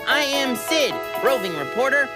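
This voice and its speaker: A woman's voice: high voice, very animated, normal speed, loud music behind the voice. A woman voicing a curious, upbeat little boy in a children's cartoon, chirpy and earnest like a junior reporter.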